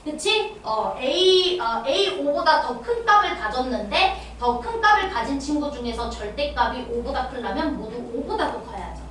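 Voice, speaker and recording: Woman math teacher, high bright voice, keeps asking if students follow, distant roomy sound with faint hiss. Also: lively intonation, moderate pace, few pauses. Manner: checks understanding with constant tag questions. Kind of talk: lecture to exam students. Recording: echoey room, distant mic, faint noise.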